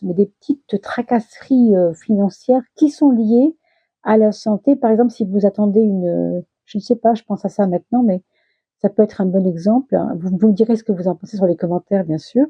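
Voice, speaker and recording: A woman's voice: mid-range voice, brisk, slightly rough, no echo, dull audio. A woman giving a casual monthly tarot reading, hesitant with many fillers and restarts, her voice getting worn and throaty. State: losing her voice, clears throat. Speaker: tarot reader.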